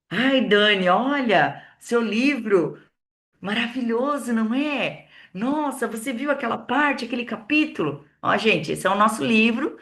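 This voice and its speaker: Brazilian woman coach, motivational talk, calm and steady but swings loud and soft for emphasis. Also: mid-range voice. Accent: Brazilian Portuguese. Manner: expressive, shifts between loud and soft on purpose; speaks with calm, steady explanation between emphatic lines. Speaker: communication mentor and coach. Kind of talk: motivational talk to a women's group.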